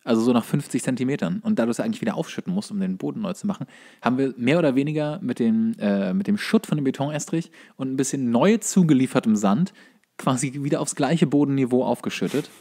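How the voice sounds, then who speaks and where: A man's voice: mid-range voice, lively intonation, fast talker, mellow. A man telling anecdotes in casual chat as a podcast co-host.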